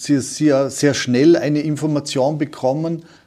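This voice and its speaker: Monotone and flat, a man speaks very slowly at a fairly high pitch, his tone dark and mellow. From Austria, Vorarlberg. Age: 50s. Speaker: former journalist, men's ministry staff. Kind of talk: interview.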